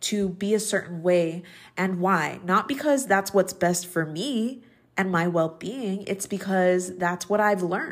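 A woman with an ordinary speaking voice talks at a fairly slow pace and medium pitch in a very clean recording with a silent background. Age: 30s. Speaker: spiritual podcast host. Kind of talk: casual solo monologue. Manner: casual, filler-heavy.

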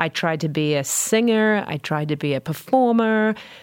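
Over a silent background in a very clean recording, a woman speaks in a New Zealand accent. Her pitch varies in an ordinary way. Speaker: entrepreneur, company CEO and author. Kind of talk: storytelling monologue, personal stories. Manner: animated, energetic.

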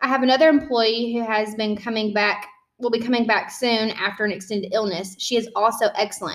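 With fairly even intonation, a woman talks at a moderate pace in a fairly high voice. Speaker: podcast host and teacher. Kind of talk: casual chat.

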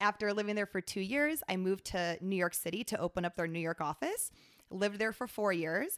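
A woman with an American accent, medium pitch and ordinary pitch variation, energetic tone, dry and close sound with no echo, very clean recording with a silent background. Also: fairly quick pace. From US Midwest, South Dakota (Sioux Falls). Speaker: businesswoman. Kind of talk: interview. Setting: studio.

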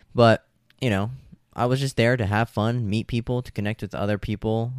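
A man speaks at a moderate pace with a fairly low pitch. The recording is very clean with a silent background and a dry, close sound with no echo. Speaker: dating advice podcaster. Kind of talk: solo monologue podcast. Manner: animated, not monotone.

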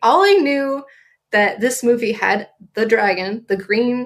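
This is a woman with a Californian accent. Her pitch sits fairly high. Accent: Californian American. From Southern California. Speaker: illustrator and graphic designer. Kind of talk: casual chat.

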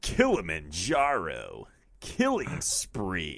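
In a put-on character voice, the speaker sounds raspy and dramatic. The voice is raised and projected, moving at a very slow pace. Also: man. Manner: dramatic, hyped.

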